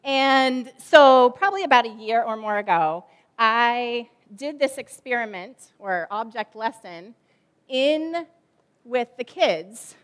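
A woman's voice: on the high side, lively intonation, slow. Chatty woman giving a church object lesson. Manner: chatty, self-deprecating, lots of fillers. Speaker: children's ministry director. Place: church sanctuary stage.

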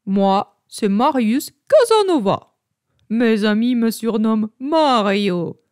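A woman voicing a jolly middle-aged male pizza chef who speaks in a hearty, booming way. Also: animated, slow pace, darkish tone, dry recording, clean studio sound. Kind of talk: scripted language-lesson role play.

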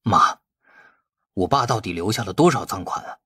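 A man's voice: lowish voice, expressive, normal speed, sharp tone, slightly rough, no echo, studio quality, exaggerated voice. A man voicing a naive, impulsive grown son in an audiobook, blunt and wide-eyed in manner. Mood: curious. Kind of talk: audiobook character acting.

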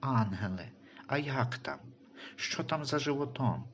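A man voicing a timid, trusting unborn baby boy in a Christian audio story, speaking softly and questioningly. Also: mid-range voice, lively intonation, unhurried, slight background noise.

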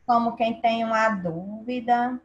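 A woman's voice: on the high side, a little slow, lo-fi sound, a crowd in the background. A Brazilian woman teaching an online class to young children, patiently quizzing her pupils. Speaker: primary school teacher.

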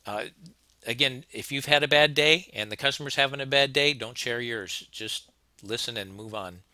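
A man's voice: medium pitch, moderate pace, sharp tone, no room sound. A man teaching an HVAC training course, talking casually over slides and often restarting his sentences. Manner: plain-spoken, conversational, frequent restarts and repeats. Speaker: HVAC instructor. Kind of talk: narrated slide lecture.

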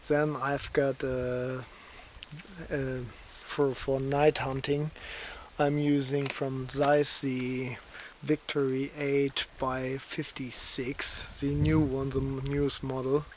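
A man, reviewing his outdoor gear in a casual, halting way with many fillers, filmed outdoors by a lakeshore on a camera held at arm's length. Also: medium pitch, little pitch movement. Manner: halting, many fillers, simple non-native phrasing. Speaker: outdoor channel host. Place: outdoors on a lakeshore in light rain. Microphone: handheld camera at arm's length. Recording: faint rain and outdoor noise.

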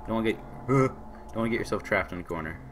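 A hoarse young man with a sore throat, casually commentating a game he is playing, reading on-screen messages aloud and answering them. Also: lowish voice, quick pace. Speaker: gaming channel host. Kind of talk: casual let's-play commentary.

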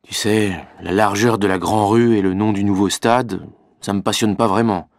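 A man's voice: lowish voice, fairly even intonation, normal speed, no echo, studio quality. A man reading scripted exam dialogues in a wry, offhand way.

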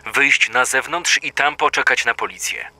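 Guy voicing a steady 911-type dispatcher in an audio drama, bright crisp voice. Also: medium pitch, moderate pace. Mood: calm. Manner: calm, formal, insistent. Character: calm male emergency dispatcher on the phone.

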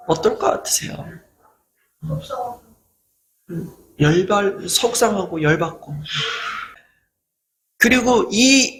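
A fairly high-voiced man talks earnestly about his struggles, in the relaxed tone of a motivational speaker. Now and then he mimics the people who mocked him. A faint hum runs underneath. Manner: earnest, acts out other people's mocking remarks. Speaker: lecturer and channel host. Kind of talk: casual motivational talk.

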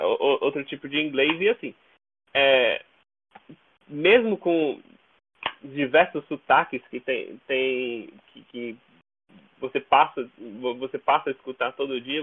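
A Brazilian man chatting casually as an interview guest, often repeating words as he searches for the next. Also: medium pitch. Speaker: podcast guest. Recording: narrow, tinny phone-like call audio.

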